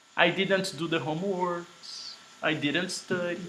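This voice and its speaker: With a Brazilian Portuguese accent, a man speaks very slowly in a high voice over audible room echo. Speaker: English teacher. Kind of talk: casual chat.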